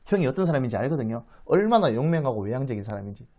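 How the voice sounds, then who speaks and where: A man's voice: mid-range voice, very fast. A man giving a Bible lecture as a dramatic story, acting out the quoted speech and putting questions to his listeners. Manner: animated, acts out the quoted speech, asks the audience questions.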